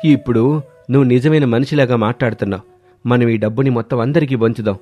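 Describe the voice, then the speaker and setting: A man acts out an earnest villager from a storybook moral tale. He speaks deliberately, like someone teaching a lesson, at a middling pitch. Music plays behind him. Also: steady tone, warm tone, close to an everyday voice. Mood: earnest, advising. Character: villagers in a moral tale: greedy farmer and wise elder. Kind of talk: acted dialogue in a Telugu moral story.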